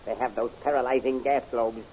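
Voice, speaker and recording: A man's voice: medium pitch, fairly even intonation, brisk, dark tone, close to an everyday voice. An actor playing a scheming, imperious rebel general in a 1930s radio serial, pondering as he speaks, on a muffled, hissy recording.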